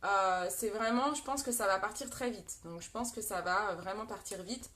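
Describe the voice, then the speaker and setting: A French woman with a medium-pitched, slightly bright voice hosts a casual live makeup demo at a normal speed. She greets viewers, chats with them while talking through products, and uses plenty of fillers.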